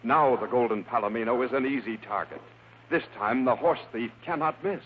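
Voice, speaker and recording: A man with a mid-range voice reads dramatic scripted narration for an old 1950s radio adventure at a moderate pace. He builds suspense in a theatrical style, captured on a tinny, noisy vintage recording.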